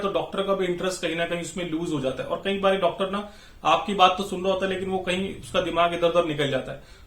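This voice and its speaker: Fast-talking man trainer, echoey room. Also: high voice, a bit bright. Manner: chatty, addresses viewers as friends, frequent "you know" fillers. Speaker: pharma sales trainer. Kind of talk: instructional talk to camera.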